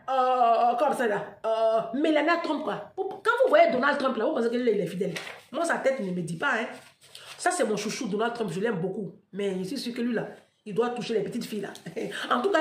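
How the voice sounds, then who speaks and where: A woman giving a blunt, mocking monologue to her viewers, animated and sarcastic and laughing often. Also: a little high, a little hiss or hum. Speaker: online commentator on marriage. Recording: roomy echo.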